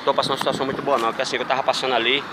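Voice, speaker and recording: A man hosting a street prank video, talking quickly and insistently as he presses strangers. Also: mid-range voice, little pitch movement. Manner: insistent, pleading, fast-talking. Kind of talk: street prank, persuasive chatter. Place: outdoors on a city street. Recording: street noise from passing cars. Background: traffic noise.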